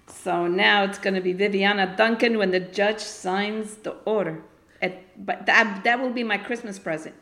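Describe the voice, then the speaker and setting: A woman's voice: mid-range voice, moderate pace, fairly bright tone. Outspoken Argentine-born woman, echoey room. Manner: outspoken, blunt and emphatic. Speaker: guest poet. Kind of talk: casual interview chat.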